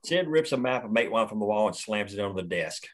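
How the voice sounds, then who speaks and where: A man's voice: on the low side, expressive, fast talker. A man reading the stage directions of a screenplay steadily at a table read.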